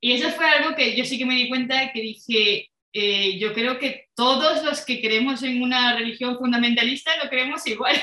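Her pitch is high for a woman, with fairly even intonation. She speaks at a moderate pace. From Venezuela. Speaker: illustrator and philosopher. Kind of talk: interview conversation.

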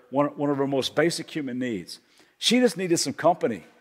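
On a very clean recording with a silent background, a man talks at a fairly high pitch with a slight Kentucky accent. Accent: slight Kentucky Southern. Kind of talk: sermon. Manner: animated.

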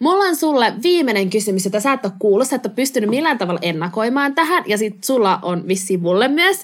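A woman talks at a very fast pace with hardly any pauses. Her pitch swings very widely. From Helsinki, Finland. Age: 20s. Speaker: podcast co-host, student. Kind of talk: casual chat.

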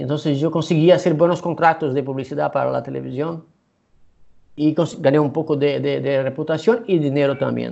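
Fairly quick and fairly high-pitched, a man speaks with fairly even intonation. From Brazil, Manaus (Amazonas). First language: Portuguese (speaking Spanish). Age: 40s. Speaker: musician. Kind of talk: interview. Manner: halting.

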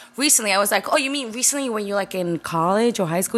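With noticeable background noise behind her, a woman speaks fairly quickly at a medium pitch. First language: Spanish. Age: 30s. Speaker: podcast co-host. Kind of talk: casual chat. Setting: home recording, drinking wine.

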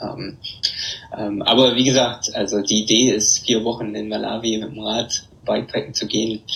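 Monotone, flat delivery at a moderate pace amid noticeable background noise. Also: man, medium pitch for a man. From East Germany, Eichsfeld (Thuringia). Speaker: bikepacking adventurer. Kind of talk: casual interview. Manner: hesitant, many filler sounds.

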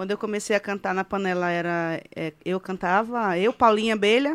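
A plain, everyday voice moves at a moderate pace in a very clean recording with a silent background and a dry, close sound with no echo. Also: woman. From Aracaju, Sergipe, Brazil. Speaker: singer in a forró duo. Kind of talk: casual podcast interview.

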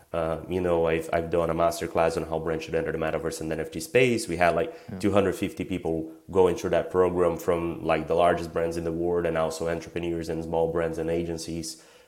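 A man with a very deep, low voice talks fairly quickly in a flat monotone with hardly any pauses, amid audible room echo and noticeable background noise. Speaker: Web3 consultant and speaker. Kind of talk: interview.

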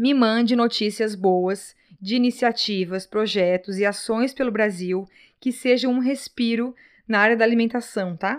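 Against a very clean recording with a silent background, a woman speaks at a fairly slow pace in an ordinary speaking voice, fairly high in pitch, with fairly even intonation. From Santa Catarina, southern Brazil (Florianópolis). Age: 30s. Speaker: podcast host and journalist. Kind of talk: solo podcast monologue, casual explanatory.

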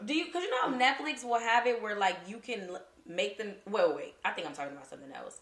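Against noticeable background noise, a woman of medium pitch speaks at a fairly quick pace with very wide pitch swings. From Detroit. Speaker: actress. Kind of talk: casual chat.

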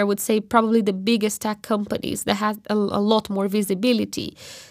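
Over a very clean recording with a silent background, a woman with a Brazilian accent talks at a moderate pace in a fairly high, monotone, flat voice. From Rio de Janeiro, Brazil. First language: Portuguese. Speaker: product manager, mentor. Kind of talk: interview, conversational. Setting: studio. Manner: conversational, thoughtful, some hesitations.

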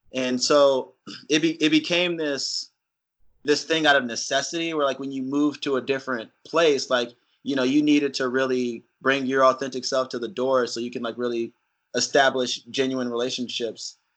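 A man's medium-pitched, unremarkable speaking voice at a moderate pace, with fairly even intonation over a quiet background. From US, military family, moved often. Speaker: podcast co-host, tech engineer. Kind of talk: casual chat.

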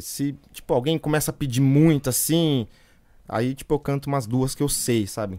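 A man at a moderate pace, fairly high-pitched, with a normal speaking voice. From interior of São Paulo state, Brazil. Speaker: sertanejo singer. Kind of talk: interview.

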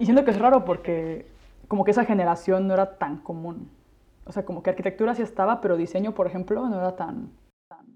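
This woman has a Mexican accent and a dark, mellow tone at a medium pitch. Her loudness swings widely while her pitch varies in an ordinary way. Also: fairly quick pace. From Mexico, moved around. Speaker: podcast host. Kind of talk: casual chat.

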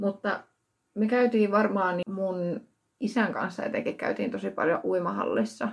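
An unremarkable speaking voice from a woman, medium in pitch, at a fairly slow pace with ordinary pitch variation. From Finland, Jyväskylä. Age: 20s. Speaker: podcast host, translation entrepreneur. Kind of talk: casual chat.

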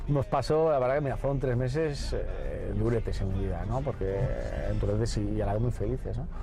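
Over music in the background, a man speaks at a fairly quick pace with hardly any pauses. His loudness stays very even, and the room echo is audible. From Spain, Palencia province (Guardo). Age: 40s. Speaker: chef. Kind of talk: casual interview. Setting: in a car.

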